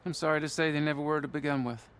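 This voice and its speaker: An actor playing a stern but fair tribal soldier commander in a video game, speaking in a measured, matter-of-fact way. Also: male voice, a little high, steady tone, a bit bright, smooth, lightly acted. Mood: grave. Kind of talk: video game character acting.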